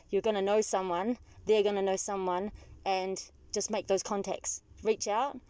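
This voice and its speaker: A young woman from New Zealand with a Kiwi accent, chatting as a passenger and telling stories with lively asides. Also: mid-range voice, no room sound. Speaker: taxi rider guest. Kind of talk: casual chat. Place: in a moving car.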